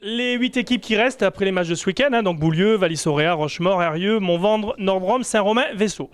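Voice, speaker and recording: A man with a high-pitched voice runs a football cup draw. He talks casually and loosely, padding his sentences with fillers and small hesitations. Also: a little fast, clean tone, dry recording. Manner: chatty, hesitant, many fillers. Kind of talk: casual live announcing.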